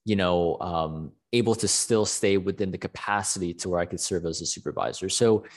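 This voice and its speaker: A man hosting an interview, asking long questions with many halting restarts as he searches for words. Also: low voice. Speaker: podcast host.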